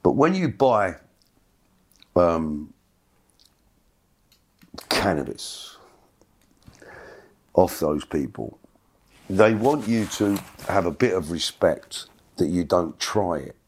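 A man's voice: sits low, very animated, slow pace, pauses often, husky. Rambling man telling a story. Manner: rambling, repeats words, acts out voices in quotes. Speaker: guest. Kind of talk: casual storytelling.

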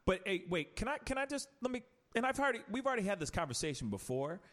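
A man's voice: high voice, very animated, fast, fairly bright tone. A man hosting a casual podcast chat, ranting animatedly with rhetorical questions and many restarts. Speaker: podcast host.

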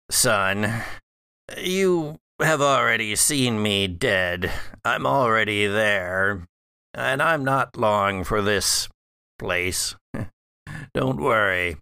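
Undead gothic father, played by a male game master: weary, mocking, drawn-out delivery, bright edge with vocal fry. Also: on the low side, no echo, clean studio sound, full character voice. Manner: halting, drawn-out, condescending delivery. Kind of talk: improvised in-character horror roleplay.

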